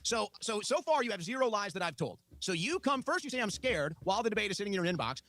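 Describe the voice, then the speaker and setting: A man with a high voice fires off insistent, repeated demands very quickly in a heated debate. He keeps pressing the same point. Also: sing-song, fairly bright tone, dry recording. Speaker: debate guest.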